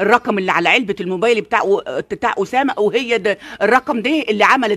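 A woman speaks at a very fast pace, her fairly high pitch showing ordinary variation. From Egypt. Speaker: bereaved mother. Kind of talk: emotional interview testimony. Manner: repetitive, emotional. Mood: distressed, accusing. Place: street. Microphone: handheld.

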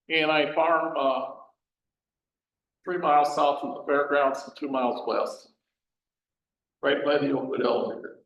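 A man with an American accent and a fairly high pitch, fairly slow and full of long, frequent pauses, with audible room echo. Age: 80s+. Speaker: farmer speaking at public hearing. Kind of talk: public comment at county hearing. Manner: halting, many fillers.

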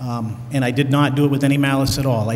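This is a man talking. His pace is very fast. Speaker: town councillor. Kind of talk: formal meeting. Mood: defensive, earnest explanation. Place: hall. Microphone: podium.

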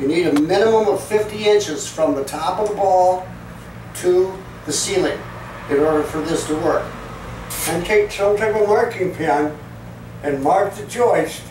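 With audible room echo and light background noise, a man speaks at a high pitch and moderate pace, leaving long, frequent pauses. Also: ordinary pitch variation. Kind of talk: tutorial. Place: garage. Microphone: camera far.

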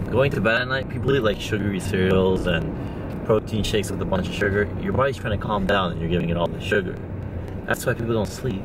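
Over loud background noise, a man talks at a very fast pace. His pitch varies in an ordinary way, and the sound is dry with no echo. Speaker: vlogger. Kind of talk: casual vlog chat. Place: car. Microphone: phone near.

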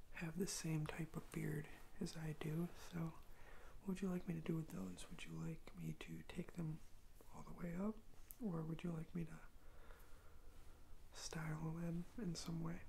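A soft-spoken man with a gentle tone talks at a fairly slow pace over light background noise. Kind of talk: ASMR role-play talk. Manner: soft-spoken, gentle ASMR barber voice. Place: home room. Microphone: phone near.

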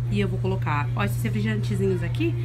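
A woman speaks over clear music in the background. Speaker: small shop owner vlogger. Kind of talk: casual vlog chat. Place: shop. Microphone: phone near.

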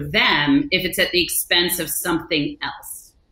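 A woman with an enthusiastic tone and lively intonation is heard with audible room echo. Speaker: webinar host. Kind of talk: interview. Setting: video call. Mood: warm, enthusiastic. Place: home room. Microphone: webcam.

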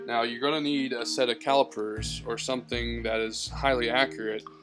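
While a man holds a moderate pace, clear music can be heard behind him. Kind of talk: tutorial. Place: workshop.

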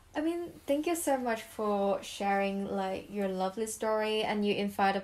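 A woman with a non-native accent, medium pitch and ordinary pitch variation. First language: not English. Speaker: student podcast host. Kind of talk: casual interview chat.

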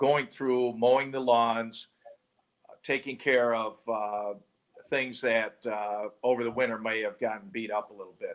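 A man speaks at a moderate pace in a flat, monotone delivery against a quiet background. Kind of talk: interview answer. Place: office. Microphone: video call.

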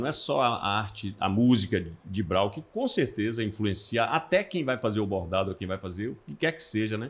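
A man talks with a fairly low pitch and ordinary pitch variation. His pace is moderate. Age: 50s. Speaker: podcast host and actor; podcast host, actor. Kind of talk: casual interview chat. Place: studio. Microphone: studio mic.

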